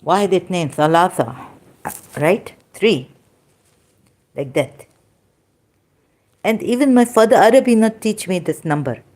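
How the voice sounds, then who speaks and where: A woman with a Pakistani accent and Sindhi as her first language, giving an informal religious talk in halting, broken English with many restarts, tired and soft-spoken as she goes on. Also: on the low side, expressive. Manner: tired, winded and soft-spoken in later part. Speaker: religious commentator.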